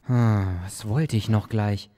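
A man's voice: fairly low pitch, fairly even intonation, slow, mellow, a little hiss or hum. A man playing an anxious, haunted academic doctor in an audio drama. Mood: brooding, uneasy.

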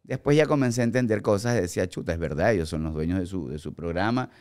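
A man in his forties with an Ecuadorian accent, a guest actor telling animated stories in a podcast studio on a boom mic. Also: fast talker. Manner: animated storyteller acting out quoted remarks. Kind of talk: casual podcast storytelling. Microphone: studio mic on boom arm, headphones.

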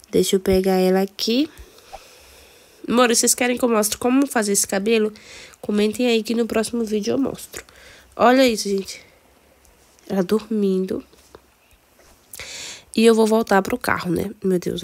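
A woman with a Brazilian accent and a cold, hoarse, chatting casually to viewers through a game walkthrough. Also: medium pitch, steady tone, moderate pace, pauses often, a little mellow. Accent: Brazilian Portuguese. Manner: chatty, addresses viewers as "amores". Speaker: gameplay video host.

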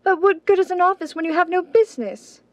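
A woman's voice: very high voice, fast talker, dry recording. A woman playing a doubtful, fretful young sweetheart in a 1930s-style radio drama, recorded dry and dull.

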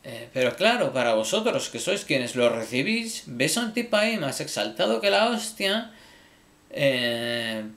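Man in his own vlog, mid pitch, gravelly, stumbling over words, apologetic. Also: very animated, fairly bright tone. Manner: halting, repeats words, swears casually. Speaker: video creator. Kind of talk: casual apology to viewers.

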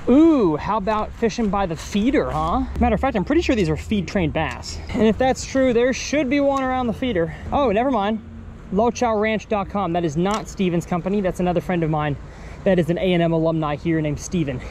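In a casual fishing vlog by an outdoor pond, a Texan man chats upbeat and thinks aloud while he fishes. His voice sits high, with lively intonation, a brisk pace, and a darkish tone. Faint ambient noise is audible outdoors.

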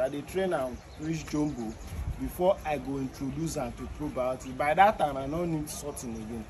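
A man in his thirties with a Nigerian Pidgin English accent, a fish farmer explaining the steps outdoors beside his fish tanks and repeating the key points. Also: fairly high pitch. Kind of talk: outdoor farming tutorial. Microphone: phone camera at a short distance. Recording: outdoor phone video with noticeable ambient noise.

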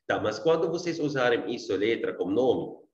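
A man's voice: mid-range voice, lively intonation, normal speed, a little mellow, roomy sound, lo-fi sound. A man with an Arabic accent teaching a beginners' language lesson online. He repeats his points and keeps checking in with his students. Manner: repeats himself, checks in often with tá and gente.

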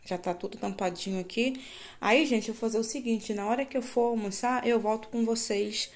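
A woman's voice: a little high, a little fast. A woman with a Brazilian Portuguese accent narrating a casual home vlog, chatting familiarly to viewers and often seeking their agreement. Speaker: home vlogger. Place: at home, in kitchen and yard. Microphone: handheld phone. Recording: noisy handheld home recording.

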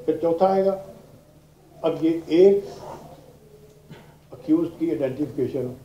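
A man's voice: a little high, takes it slowly, dark tone. An older man with a Pakistani accent giving a classroom law lecture, explaining step by step with repetition and English legal terms. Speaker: law lecturer, retired judge. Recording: roomy, dull classroom recording with background noise.

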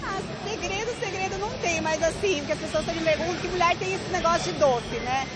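A young woman fitness model answering interview questions at a busy indoor sports fair, relaxed and chatty, speaking into a handheld mic. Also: extremely high pitch, fast talker. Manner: relaxed, chatty, fond of diminutives. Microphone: reporter's handheld mic. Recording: loud music and crowd at an expo.

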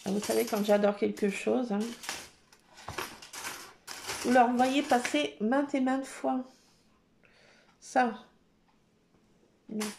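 A woman's voice: a little high, steady tone, slow pace, gravelly, pauses often, darkish tone, slight background noise. A woman, chatting playfully to viewers while she works on a scrapbook page. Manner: talks to viewers while working, playful, self-mocking. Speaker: scrapbooking vlogger. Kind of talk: chatty talk while crafting.

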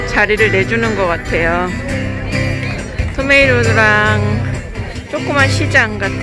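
A middle-aged woman from South Korea chatting and narrating casually for a vlog as she walks through an outdoor market. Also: a little high. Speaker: vlogger. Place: outdoor street market in a parking lot. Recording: outdoor crowd chatter and music behind.

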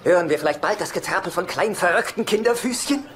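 Worried brother and father: incredulous, biting sarcasm, animated sitcom delivery. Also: sits high, fast talker. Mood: sarcastic. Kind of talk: dubbed sitcom dialogue. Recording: noisy sitcom soundtrack with studio laughter.

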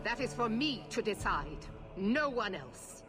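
A woman's voice: mid-range voice, sing-song, a little slow. Severe female military commander for a fantasy game, formal, unyielding, mid-range, music underneath. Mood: angry, insistent. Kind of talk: dramatic video game acting. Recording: game audio with loud music.

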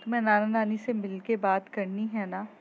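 A woman's voice: medium pitch, level tone, moderate pace, natural voice. A woman voicing a worried, insistent middle-aged mother who scolds and coaxes. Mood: coaxing. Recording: muffled lo-fi with faint noise.

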